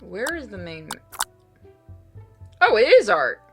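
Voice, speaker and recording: A woman's voice: mid-range voice, wildly swooping pitch, slow pace. A woman doing a casual let's play, reading game narration aloud and commenting expressively. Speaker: game streamer reading visual novel aloud. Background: game music.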